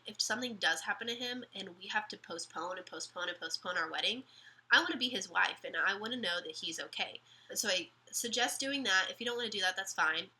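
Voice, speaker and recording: Sick young woman chatting to her channel, kinda raspy, super bright voice, lots of ums. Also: mid-range voice, poor audio. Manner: chatty, many ums and restarts. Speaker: vlogger. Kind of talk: casual vlog advice.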